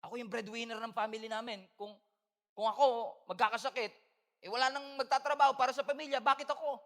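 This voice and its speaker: High, bright-voiced pastor preaching in a hall. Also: male voice, level tone, quick pace. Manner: swings from loud emphatic preaching to soft confiding tones. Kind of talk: sermon. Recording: long hall reverb.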